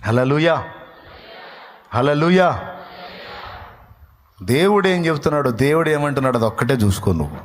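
A man's voice: very animated, rapid-fire. A man preaching a sermon, acting out the voices of scoffers and building to emphatic rhetorical questions. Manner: acts out crowd voices in shifting pitch and volume. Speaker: pastor.

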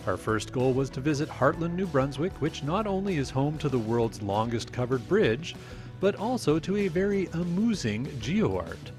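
A man in his forties hosts a geocaching travel vlog with voice-over narration, filming himself outdoors at the seaside and on trails with a camera held at arm's length. He talks like an upbeat, playful tour guide in a fairly high voice with big pitch swings at normal speed, music playing behind him.

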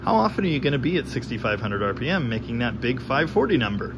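A man talks through an engine build in a cluttered home garage, his pitch rising and falling in a lively, wry way. The room is noisy, with a steady hum of background sound under his voice, picked up by the camera's microphone. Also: fast. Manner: animated, wry, talks with his hands while showing parts. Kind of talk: casual explanatory workshop commentary.

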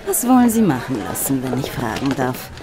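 An actress playing a flirtatious, catty, ambitious starlet in a radio play, with a coquettish, teasing delivery. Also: female voice, a bass voice, sing-song, brisk, background noise. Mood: seductive. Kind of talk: German radio play acting. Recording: party crowd and music behind.

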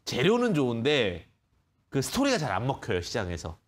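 A man's voice: medium pitch, huge pitch swings, moderate pace. A man hosting a live phone-in stock show, patiently explaining prices to callers with many fillers. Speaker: stock market expert host.

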